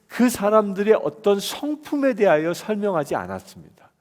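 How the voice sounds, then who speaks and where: A man's voice: high-pitched, darkish tone. A man with a Seoul Korean accent preaching a conversational sermon, asking the listeners questions and answering them himself. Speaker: pastor. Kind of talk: expository sermon. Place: church. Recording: long hall reverb.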